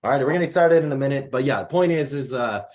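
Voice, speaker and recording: A young program founder from the Chicago area hosts a mentor workshop over a video call, talking rapidly at medium pitch. Allergies leave his voice slightly raspy, and he stays relaxed and chatty while reading out attendees' names and locations.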